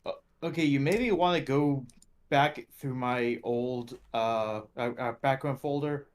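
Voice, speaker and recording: A man in a casual online chat, talking slowly and haltingly with many fillers. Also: medium pitch.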